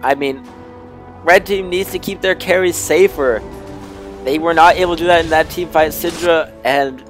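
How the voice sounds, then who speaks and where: Excitable young man casting a game. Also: fairly high pitch. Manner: excitable, rising to loud bursts in fights. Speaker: amateur game caster. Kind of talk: esports play-by-play commentary.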